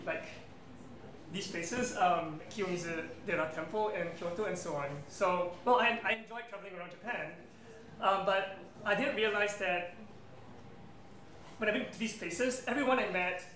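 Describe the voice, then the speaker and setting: A man's voice: high-pitched, sharp tone. A man from Singapore in his thirties, giving a presentation to an audience in an event room with many ums and friendly asides. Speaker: guest speaker. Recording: roomy hall sound, faint noise.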